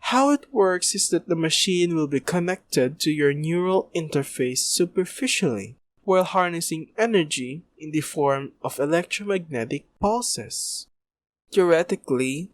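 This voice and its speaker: A man playing a formal, pompous doctor in an audio roleplay, speaking in long-worded clinical phrases. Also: on the high side. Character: formal, pompous male doctor, smoothly evasive scientist. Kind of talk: ASMR audio roleplay acting.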